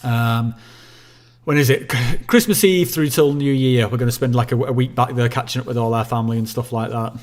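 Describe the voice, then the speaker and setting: A man from Leigh in northern England hosting a call-in show. He gives relaxed, practical advice and often repeats words as he talks. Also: mid-range voice, fairly quick. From Leigh, near Wigan, England. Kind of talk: casual call-in chat.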